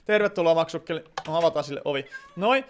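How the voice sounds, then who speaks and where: A man's voice: a little high, expressive, slight background noise. A man casually commentating his game stream, playful and chatty with lots of fillers.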